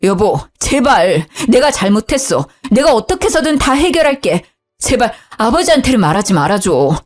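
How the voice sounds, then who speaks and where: A woman's voice: on the high side, sing-song, normal speed. A woman voicing a guilty young husband who pleads and apologizes, over faint background music. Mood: pleading.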